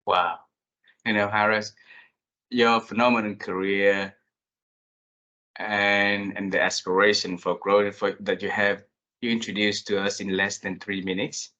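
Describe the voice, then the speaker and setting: A man hosting an interview, effusive and courteous, with halting, repeated phrasing. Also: on the low side, little pitch movement, sharp tone, dull audio. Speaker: podcast host.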